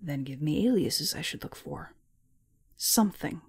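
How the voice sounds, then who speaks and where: A woman playing a menacing spy agency boss in an audio drama, coolly threatening with taunting politeness and a gravelly, husky voice. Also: sits low, animated, darkish tone, heavily acted. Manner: smooth taunting politeness, deliberate.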